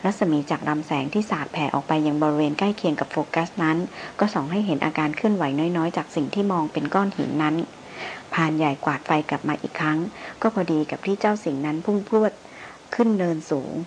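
A woman narrating a novel aloud in a steady, dramatic storytelling manner. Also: low-pitched, quick pace, slight background noise, poor audio. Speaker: audiobook narrator.

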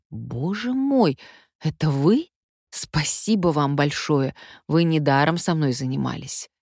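Older actress with a low, dry voice. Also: female voice, gravelly, no room sound. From Omsk, Siberia, Russia. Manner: wry, lively anecdotal narration. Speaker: stage actress. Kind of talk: memoir storytelling.

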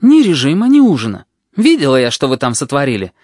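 A man voicing a stern, easily outraged woman nurse who scolds in a shrill, indignant voice. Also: huge pitch swings, fast, a little mellow, no echo, studio quality. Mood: scolding.

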